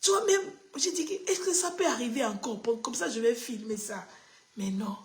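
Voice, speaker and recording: Woman pastor, fairly high voice, sermon in a reverberant room, hushed and then bursting. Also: moderate pace. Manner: shifts between hushed confiding and excited high exclamations; repeats phrases for emphasis. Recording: echoey room.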